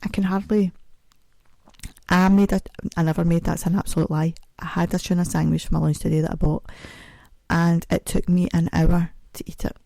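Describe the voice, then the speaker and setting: A woman with a deep, creaky, warm voice hosts a podcast from home, rambling casually and mocking herself as she talks carefully around a mouth sore from dental work. Her tone stays level and her pace normal, she chats and sings snatches of songs, and the audio-only recording has no room sound.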